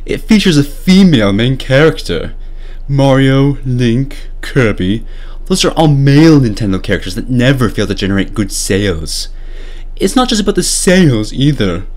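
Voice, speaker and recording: A man's voice: mid-range voice, big pitch swings, normal speed, darkish tone, lightly acted. A young man voicing a self-satisfied, oblivious game director in a mocking, pompous dramatic reading.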